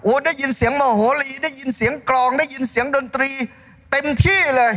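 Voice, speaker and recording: A man in his fifties preaching a sermon on a church stage, holding a handheld mic, animated and gesturing. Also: very high-pitched, a little fast. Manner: animated, gesturing preacher acting out story voices. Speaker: pastor. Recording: long hall reverb.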